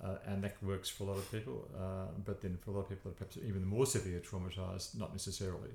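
Somewhat breathy, a man with an Australian accent speaks at a very fast pace in a very deep, low pitch. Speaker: trauma psychologist. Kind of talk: casual interview.

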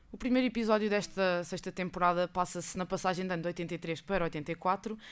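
This is a woman's voice. Her pitch variation is ordinary. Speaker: podcast host. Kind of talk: casual chat.

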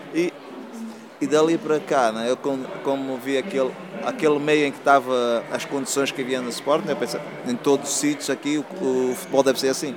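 Over noticeable background noise, a man with a fairly high pitch talks at a fairly quick pace with fairly even intonation. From Angola. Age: 30s. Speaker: footballer. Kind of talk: interview. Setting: event venue.

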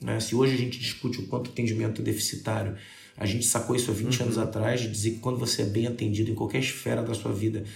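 Very fast, flat monotone speech from a man at a medium pitch, with noticeable background noise and audible room echo. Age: 40s. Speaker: motivational speaker and author. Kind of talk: casual interview.

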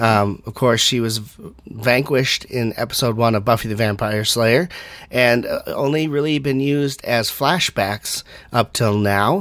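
A man with an ordinary speaking voice talks at a fairly slow pace and medium pitch. His pitch varies in an ordinary way. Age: 30s. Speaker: podcast co-host. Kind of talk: casual chat.

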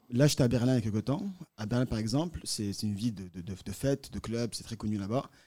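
The recording is very clean with a silent background. A man talks at a very fast pace in a medium-pitched, dark, mellow voice with ordinary pitch variation. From Morocco. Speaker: notary clerk, caller. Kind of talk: casual conversation.

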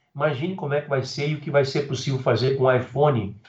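The man's voice is somewhat breathy. His pitch sits fairly high. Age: 50s. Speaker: ufologist. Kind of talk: interview.

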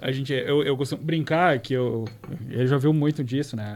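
A man in an ordinary speaking voice talks at a moderate pace with fairly even intonation. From Rio Grande do Sul, Brazil (Santa Maria). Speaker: podcast host. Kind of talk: casual interview chat.

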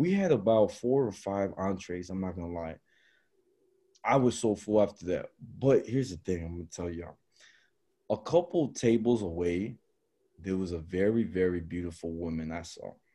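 A man's very deep, low voice with a dark, mellow tone, ordinary pitch variation, big swings in loudness, a moderate pace, and long, frequent pauses against a quiet background. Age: 20s. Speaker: podcast host. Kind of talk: casual chat.

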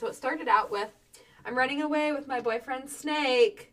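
Over noticeable background noise, a woman speaks with a high pitch. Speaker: podcast co-host. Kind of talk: casual chat. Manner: dry humor, hard to tell if joking.

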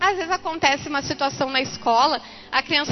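A woman with a high pitch and ordinary pitch variation speaks at a fairly quick pace against noticeable background noise. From southern Brazil. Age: 20s. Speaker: psychologist. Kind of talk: talk at a women's church service.

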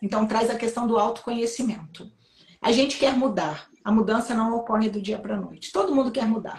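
A woman's fairly high voice, fairly quick in pace, with fairly even intonation. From interior of Rio de Janeiro state, Brazil (Macaé). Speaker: author and researcher. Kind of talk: casual interview. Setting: live video stream. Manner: halting, many hesitations.

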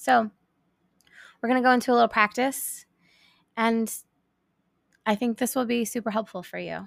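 On a very clean recording with a silent background, a woman speaks with fairly even intonation in a dry, close sound with no echo. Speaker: podcast host and coach. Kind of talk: guided meditation.

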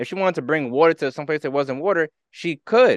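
A man at a very fast pace, fairly high-pitched, with lively intonation and an animated tone, the sound dry and close with no echo over a quiet background. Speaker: podcast co-host. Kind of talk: casual chat. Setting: remote call.

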